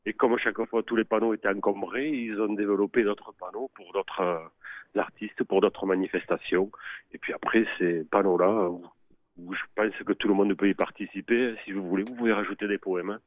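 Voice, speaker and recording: A man's voice: on the low side, steady tone, moderate pace, no echo. A man chatting casually and spontaneously in a hesitant, colloquial way, adding little tags at phrase ends, over a phone-like line. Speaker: interviewee, member of the public. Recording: tinny phone-like radio line.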